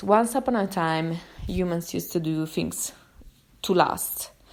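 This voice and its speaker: Speaking with an Italian accent, a woman uses lively intonation and a fairly low pitch at a fairly slow pace. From Italy. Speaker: podcast host. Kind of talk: casual monologue.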